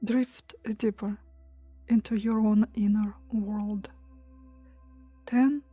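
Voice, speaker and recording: A woman leading a guided meditation in a soft, breathy, hushed and soothing voice, pausing between short phrases. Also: mid-range voice, steady tone, no room sound, faint music behind. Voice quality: soft, breathy, near-whisper at times. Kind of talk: guided meditation, hypnotic relaxation countdown.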